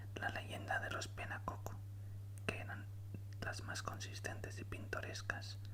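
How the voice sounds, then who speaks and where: A fairly slow whisper against noticeable background noise. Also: man. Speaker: ASMR content creator. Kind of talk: horror story reading aloud. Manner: slow, measured, whispered.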